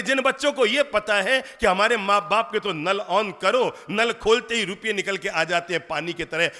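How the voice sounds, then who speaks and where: A man preaching, telling a story with lively rhetorical questions. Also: on the high side. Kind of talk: storytelling sermon. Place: large lecture hall. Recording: long hall reverb.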